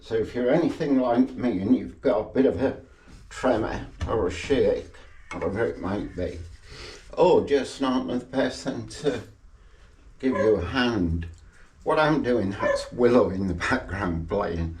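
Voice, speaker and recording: Middle-aged guy, low and unhurried, dry asides while he works in the garage; DIY vlogger. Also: animated, a little mellow, slight background noise. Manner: wry, chatty asides between tasks. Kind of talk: casual talk-to-camera while working. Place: garage and yard, partly outdoors.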